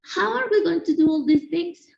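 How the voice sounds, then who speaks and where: A woman teacher from Mexico with a Mexican Spanish accent, giving an animated online conference talk and speaking directly to her audience. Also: very high-pitched, normal speed, vocal fry. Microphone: video call. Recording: echoey room, dull lo-fi sound.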